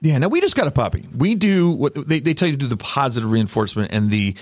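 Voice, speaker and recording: A man's voice: medium pitch, big pitch swings, dry recording. A man hosting a casual studio interview, joking and bantering with guests. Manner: jokey, quick to banter. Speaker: interview show host.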